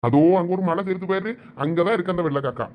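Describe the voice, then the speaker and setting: A man's voice: high-pitched, quick pace, slight background noise, natural voice. A man voicing a sly, scheming young man in a cartoon, with a Thoothukudi Tamil accent. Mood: coaxing. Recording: dull lo-fi sound.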